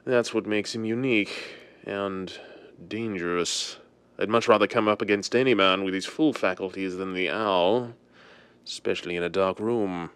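A man playing a suave, self-assured gentleman crime-fighter in a 1930s-style radio drama, measured and ominous. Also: on the low side, smooth, no echo, natural voice.

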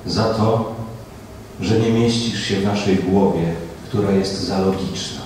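A young man reciting poetry slowly and deliberately on a small stage with a handheld mic. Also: low voice, a little mellow, slight background noise. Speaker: poetry reader. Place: small venue on a stage before an audience. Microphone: handheld mic, from a distant camera. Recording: very echoey room heard from far off.

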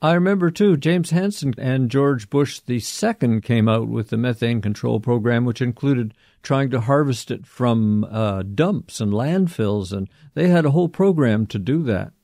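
A man's voice: medium pitch, mellow, no echo. Man hosting a radio show, dry studio sound. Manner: measured, curious questioning. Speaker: radio host. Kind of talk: radio interview.

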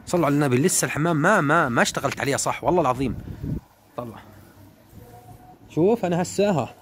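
Man, pigeon keeper, animated rapid commentary, slightly high voice, phone camera outdoors. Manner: animated, repeats words, calls and hisses at birds. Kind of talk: casual running commentary while flying pigeons.

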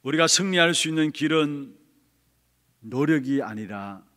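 A male pastor preaching emphatically in a church, pausing for his interpreter. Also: on the high side, lively intonation, fairly bright tone. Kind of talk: sermon with live interpretation. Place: church sanctuary. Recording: long church reverb.

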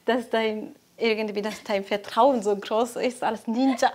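A young woman from Japan with a Japanese accent, a teacher explaining casually in careful, halting phrases. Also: on the high side, fairly even intonation, a little mellow. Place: indoor Japanese-style room.

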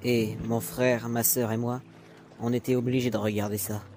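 A man's voice: mid-range voice, flat delivery, normal speed, a little mellow, slight background noise, lightly acted. A man voicing a sassy, slangy, teasing gay demon who grew up in the mob, in a French fan comic dub. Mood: confiding. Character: sassy, crude, teasing gay male spider demon ex-mobster.

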